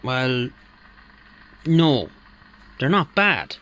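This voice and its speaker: A man's voice: mid-range voice, sing-song, very slow, a bit bright. A man talking casually through a radio repair demonstration at his workbench, rambling with lots of fillers. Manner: rambling and conversational, with many fillers.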